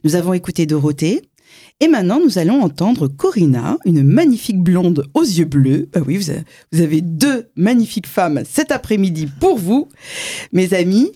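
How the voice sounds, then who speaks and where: A woman's voice: lowish voice, sing-song, moderate pace, dark tone, husky, no echo, clean studio sound. A woman hosting an interview, enthusiastic and exclamatory in her questions. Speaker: host.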